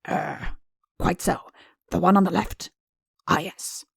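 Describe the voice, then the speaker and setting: A woman voicing a pompous, fussy fairy-tale king and doting father in a comic audiobook, with mock-innocent, deliberate phrasing. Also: fairly low pitch, fairly even intonation, gravelly, husky, no room sound, clean studio sound, full character voice. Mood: confidential, genial. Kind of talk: audiobook comic character acting.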